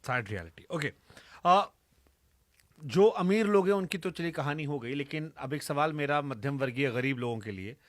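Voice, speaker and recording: A man's voice: on the high side, animated, normal speed. A male interviewer with a slightly raised voice asks long, carefully framed questions. The sound is close and dry, with little room echo. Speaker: interviewer host.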